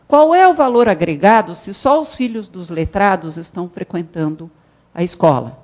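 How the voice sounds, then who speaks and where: A middle-aged woman speaks on a panel in a conference hall, holding a handheld mic. Her delivery is animated, with frequent restarts and sudden emphatic rises. She sounds like a seasoned public servant explaining her views. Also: on the low side, normal speed. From Brazil. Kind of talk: academic conference talk.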